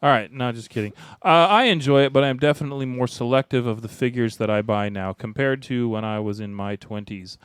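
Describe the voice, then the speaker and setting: Host type: man in his forties, wisecracking, crisp and dry close-mic sound. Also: medium pitch, brisk, few pauses, no echo. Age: 40s. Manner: joking, reads listener comments aloud with asides. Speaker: podcast co-host. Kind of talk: casual podcast chat.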